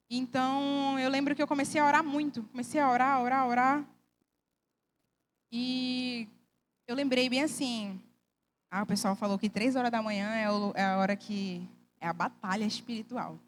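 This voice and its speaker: A woman's voice: fairly high pitch, a little hiss or hum. A young woman from Brazil sharing a personal testimony in church, speaking earnestly and emotionally in a conversational way.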